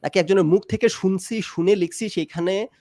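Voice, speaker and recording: A man's voice: high voice, brisk, mellow, dry recording, clean studio sound. A man arguing his point in a casual debate, mixing English phrases into his speech. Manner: argumentative, mixes English phrases into Bengali. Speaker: discussion guest. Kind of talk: casual debate on a live stream.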